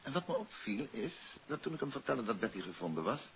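An actor playing a suave, courteous detective and teasing husband in a 1950s Dutch radio play. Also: male voice, mid-range voice, sing-song, fairly quick, fairly bright tone, slight background noise. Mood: pensive. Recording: dull old radio recording, music behind.

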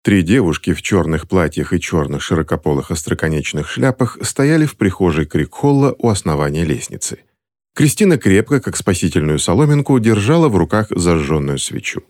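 A man narrating a fantasy audiobook in an animated storytelling manner, voicing each character himself. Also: sits low, moderate pace.

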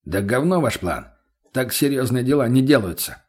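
A man's voice: medium pitch, big pitch swings, normal speed, darkish tone, husky. A man voicing a cool, sardonic male gypsy mercenary who speaks dry and blunt.

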